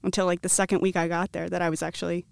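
A woman's voice: fairly low pitch, level tone, very fast, gravelly, smooth, no echo, clean studio sound. A woman in her twenties from the American Midwest, chatting casually as a podcast guest in an upbeat, talkative way. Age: 20s. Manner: chatty, upbeat, many likes. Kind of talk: casual chat.

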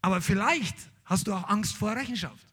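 A man preaching a sermon, reading scripture aloud and then explaining it in an animated preaching manner. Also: sits high, normal speed, husky. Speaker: pastor.

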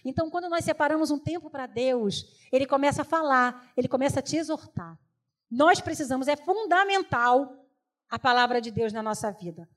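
A middle-aged woman from Brazil, preaching a lively, joking sermon to a congregation and telling stories from family life. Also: sits high, brisk. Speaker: women's preacher. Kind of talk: humorous sermon.

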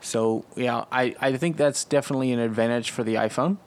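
A man co-hosting a podcast, explaining features at length in a relaxed, casual way and leading the discussion. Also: medium pitch, brisk. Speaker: podcast co-host. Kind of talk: casual tech chat.

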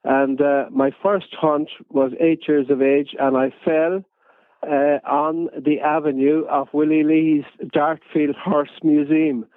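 A man with a west of Ireland accent, telling anecdotes as a radio interview guest in an unhurried storytelling way. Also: a little high, flat delivery, no echo, phone-quality sound. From County Galway, west of Ireland. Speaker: interview guest, photojournalist and fox hunter.

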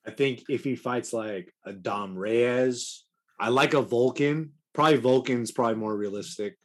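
A man's voice: medium pitch, normal speed. A young man co-hosting a podcast, laid-back and slangy as he picks matchups. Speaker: podcast co-host. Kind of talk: casual fight talk.

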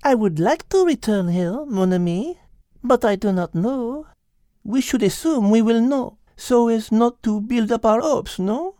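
A polite, clever little female animal leader with a French accent, acted by a woman for a children's story. She is high-voiced and takes charge daintily, with lively swoops in pitch and a close, dry sound. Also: measured pace, no echo. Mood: wistful.

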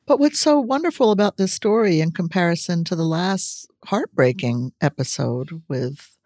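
A woman hosting an interview podcast, eager and laughing along with her guest. Her pitch swings widely as she reacts. The recording is close and dry. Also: lively intonation, normal speed, dry recording. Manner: warmly enthusiastic, laughing often. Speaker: podcast host.

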